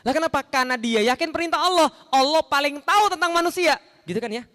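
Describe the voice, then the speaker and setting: A man preaching an Islamic sermon in a conversational way, asking the audience rhetorical questions and acting out the lines he quotes. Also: fast talker. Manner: acts out quoted lines with sharp rises in pitch and volume. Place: large hall. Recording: long hall reverb.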